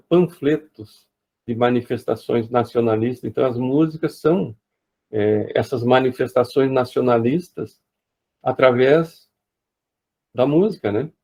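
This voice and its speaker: A man leading a spiritist study group, lecturing in an unhurried, hesitant way with frequent fillers and restarts. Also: mid-range voice, darkish tone. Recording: dull lo-fi recording.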